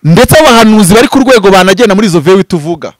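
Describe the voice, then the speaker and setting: A man in his thirties from Rwanda, a pastor speaking in an impassioned, preaching style, swinging from loud bursts to low murmurs. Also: expressive, racing, no echo. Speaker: pastor and prophet. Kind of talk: animated preaching-style interview talk. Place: outdoors before green foliage. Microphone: handheld mic held close.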